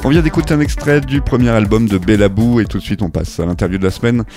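A man hosting a radio show, briskly presenting the next segment. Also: on the low side. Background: music.

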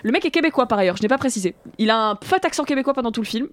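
A woman's voice: fairly high pitch, lively intonation, very fast, dry recording. A woman reviewing a film in casual talk, emphatic and scornful. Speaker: film critic. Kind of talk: casual chat.

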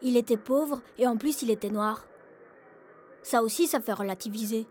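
A woman's voice: fairly high pitch, moderate pace, a little mellow, a little hiss or hum, lightly acted. A woman voicing a proud, cheeky disabled schoolchild narrating a radio drama in punchy, declarative phrases. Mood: admiring, defiant.

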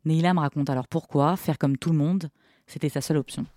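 A woman hosting a podcast, calmly reading a scripted, reflective narration. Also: low-pitched, a little fast, dry recording, clean studio sound. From partly Morocco. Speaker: podcast host.

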